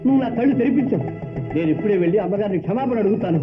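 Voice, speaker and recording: Guilty worker, high, pleading, tinny with music. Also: male voice, lively intonation, very fast. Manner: pleading, fearful. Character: frightened guilty worker, remorseful. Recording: tinny lo-fi film soundtrack with music.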